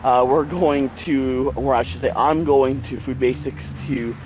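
Walking around town with a handheld action camera at arm's length, a congested male vlogger with a cold talks casually and rambles, full of fillers, moving between his bedroom, the streets, and a store. His mid-range voice has fairly even intonation and a slightly slow pace. The background is noisy.

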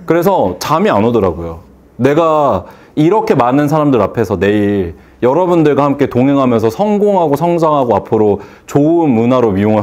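Here a salon owner addresses a seated audience with a motivational speech, acting out phone calls and throwing out rhetorical questions. The male voice is medium in pitch and a little mellow.

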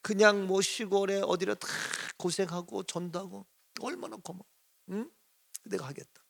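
A man's voice: high-pitched, steady tone, moderate pace, gravelly, fairly bright tone. A middle-aged male pastor giving a casual early-morning sermon, chatty and teasing, sometimes rising to emphatic exclamations. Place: church sanctuary.

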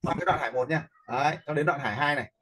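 A man giving a casual screen-share software lesson, often checking in with his learners through short questions. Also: fairly high pitch, very fast, noisy background. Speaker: instructor in animation software tutorial.

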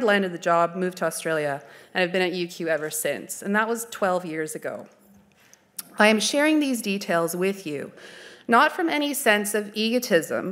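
A Canadian woman in her forties delivers a formal art history lecture from a dark indoor stage. Speaking into a lectern microphone at an even, middling pitch, she is measured, articulate and earnest, picking her words carefully.

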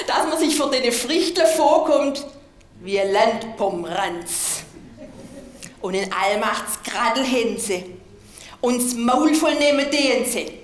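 A woman's voice: on the high side, echoey room. An older woman with a Swabian accent, reciting comic dialect verse theatrically on a stage. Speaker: dialect cabaret performer. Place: stage in a hall.

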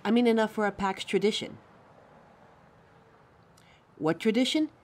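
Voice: mid-range voice, measured pace, lightly acted. A performer playing a caring, anxious young werewolf partner in a roleplay audio drama, tender and fussing, stammering when flustered. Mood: warm, explaining.

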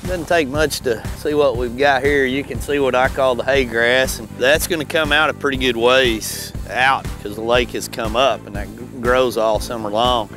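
A man's voice: mid-range voice, fairly even intonation, normal speed, few pauses, over music. A middle-aged man hosting a fishing show, giving casual, conversational commentary in a folksy way.

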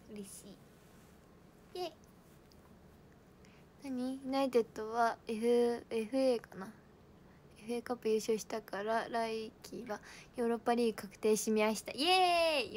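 A woman's voice: fairly high pitch, moderate pace, pauses often, a little hiss or hum. A young woman chatting casually on a livestream, bubbly and giggly, reading out viewer comments. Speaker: idol livestream host.

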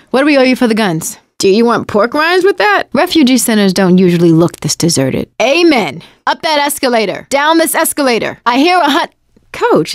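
Sassy, animated young woman survivor. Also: fairly high pitch, no room sound, studio quality. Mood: focused, wry. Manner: sardonic, expressive. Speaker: video game voice actress. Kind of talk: video game combat barks and quips.

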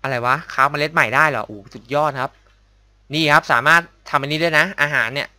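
A man's voice: a little high, quick pace, bright, forceful tone, dry recording. A young man commentating casually as he plays a video game, exclaiming, muttering to himself and making little sound effects. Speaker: gameplay commentator. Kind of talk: casual let's-play commentary.

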